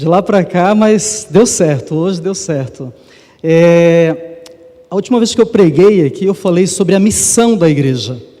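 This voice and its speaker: Over noticeable background noise, a man with a high pitch talks at a fairly slow pace. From Manaus, Amazonas, northern Brazil. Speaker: pastor. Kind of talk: sermon. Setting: church.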